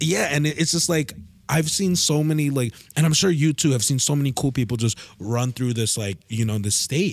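Very clean recording with a silent background, a man at a fairly high pitch with ordinary pitch variation and a moderate pace. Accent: New Jersey. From New Jersey, Passaic County. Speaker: podcast host. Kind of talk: casual chat. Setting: studio.

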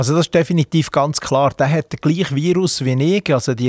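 In an unremarkable speaking voice, a man talks at a moderate pace with a fairly high pitch and ordinary pitch variation, the sound dry and close with no echo. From Switzerland, Solothurn region. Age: 50s. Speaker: boat builder, shipyard owner. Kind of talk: radio interview.

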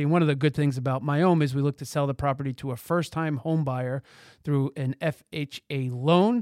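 Heard on a very clean recording with a silent background, a man has an unremarkable speaking voice in an American accent. His pitch is fairly high with ordinary variation, and his pace is fairly quick. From US tri-state area (New York/New Jersey). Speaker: private equity investor relations director. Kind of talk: podcast interview.

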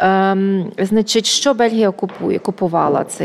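Over noticeable background noise, this woman's medium pitch shows ordinary variation. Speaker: diaspora advocacy organization head. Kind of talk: interview.

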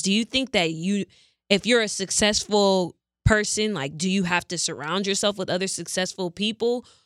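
A woman with an American accent and an unremarkable speaking voice speaks at a moderate pace and medium pitch, in a dry, close sound with no echo on a very clean recording with a silent background. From Los Angeles, US. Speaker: licensed therapist and podcast host. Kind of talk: casual chat.

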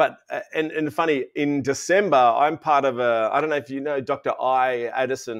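A man with an Australian accent, fairly high pitch and fairly even intonation, at a moderate pace with hardly any pauses, over a quiet background. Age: 50s. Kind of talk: casual interview. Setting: video call. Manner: jovial, laughs often.

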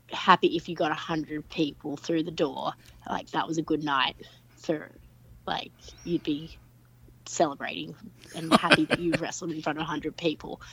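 The speaker talks with an Australian accent, holding a moderate pace with long, frequent pauses. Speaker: professional wrestler. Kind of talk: interview. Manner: casual, hesitant with fillers.

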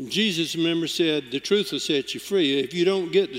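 On a very clean recording with a silent background, a man with a Southern US accent speaks in a high voice with ordinary pitch variation. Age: 70s. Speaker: pastor. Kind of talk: sermon. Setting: church.

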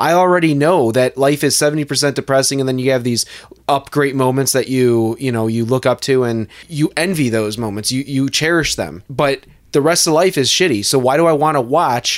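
With an ordinary speaking voice, a man talks at a fairly quick pace and medium pitch, with ordinary pitch variation. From Mexican-American background. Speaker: podcast co-host. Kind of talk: casual chat.

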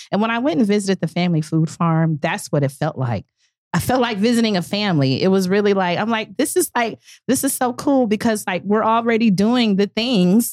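A woman with an American accent and a normal speaking voice talks fairly quickly at medium pitch, with lively intonation and a dry, close sound free of echo. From Oklahoma (Tulsa). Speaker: nonprofit program staff. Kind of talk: casual interview.

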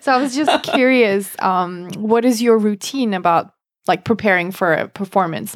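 Her pitch varies in an ordinary way as the woman talks with a non-native accent. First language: not English. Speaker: podcast co-host and musician. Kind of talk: casual interview.

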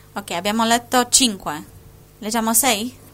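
Fairly slow speech on a very clean recording with a silent background. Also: woman. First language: Spanish (speaking Italian). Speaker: religious show host. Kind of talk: scripture reading.

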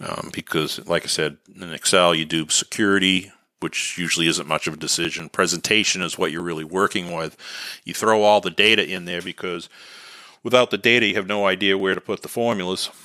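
A man speaks at a fairly quick pace in a very deep, low pitch, with a bright, sharp tone and a slight New England accent. His intonation is fairly even, and the recording is very clean with a silent background. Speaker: financial modeling consultant. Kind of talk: interview, casual technical chat. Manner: hesitant, many fillers and restarts.

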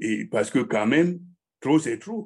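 A man's fairly high voice at a fairly slow pace against a quiet background. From Cameroon. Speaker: philosopher and politician. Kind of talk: interview discussion. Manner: halting.

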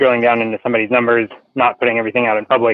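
A man with an American accent talks at a medium pitch with monotone, flat intonation. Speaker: caller. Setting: phone call.

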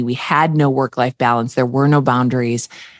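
Someone with an American accent speaks at a fairly quick pace on a very clean recording with a silent background. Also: woman. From US Midwest. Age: 30s. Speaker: author and podcast host. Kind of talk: casual chat.

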